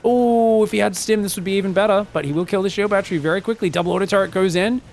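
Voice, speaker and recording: A man casting a strategy game on his own, excitable on big plays and analytical in replays, his voice phlegmy after being sick. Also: sits high, very fast, soft background music. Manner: excitable, shouts on big plays, then breaks down mistakes. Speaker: esports caster. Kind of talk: solo game commentary.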